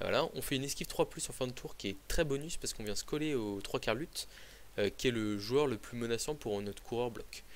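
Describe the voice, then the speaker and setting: This man has a medium pitch and a fairly quick pace. His pitch varies in an ordinary way. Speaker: gaming youtuber. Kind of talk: game commentary review. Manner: fast; hesitant, many fillers.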